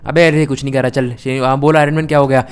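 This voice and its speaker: A man hosting a Hindi gameplay role-play, talking loud and slangy, often scolding. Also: mid-range voice, little pitch movement, fast talker, smooth, faint music behind. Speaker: gaming channel host.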